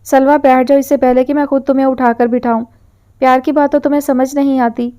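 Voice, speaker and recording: A woman's voice: high voice, little pitch movement, mellow, clean tone, muffled recording, close to an everyday voice. A woman voicing a hot-tempered rich young man who teases and then gives curt orders, in a novel reading. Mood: angry. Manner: teasing, then curt and commanding.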